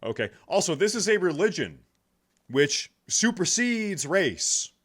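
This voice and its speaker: A man's voice: sits high, big pitch swings, measured pace, fairly bright tone. A man streaming a reaction video, making blunt, crude, mocking comments in casual chat.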